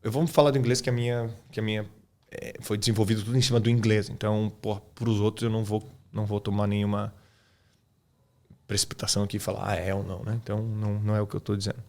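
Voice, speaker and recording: This is casual explanatory podcast talk from a Brazilian English teacher describing his approach and keeping listeners with him through "tá?" and "cara." His lowish voice moves fast, a little mellow, with little change in pitch.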